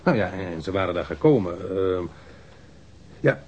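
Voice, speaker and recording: A man's voice: sits low, animated, measured pace, mellow, slight background noise. An actor playing an evasive street mugger in a radio drama, defensive and rambling as he answers police questions in slangy, hesitant speech. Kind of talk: naturalistic radio drama acting. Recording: dull lo-fi radio recording.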